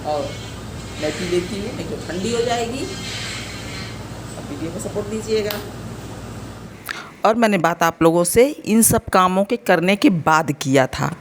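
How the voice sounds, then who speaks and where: A woman's voice: fairly low pitch, expressive, unhurried, long pauses, slight background noise. A woman in her thirties from India with an Uttar Pradesh Hindi accent and a slightly sore throat, chatting to her viewers in a casual home vlog. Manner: chatty, addresses viewers directly, explains as she goes. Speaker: vlogger.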